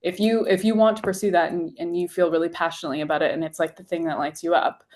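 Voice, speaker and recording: A young woman speaks in a slightly low voice, relaxed and conversational. She is a singer-songwriter guest talking casually, scattering "like" through her sentences. Her delivery is loose and chatty. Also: quick pace. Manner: chatty, heavy use of "like" fillers. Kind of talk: casual interview chat.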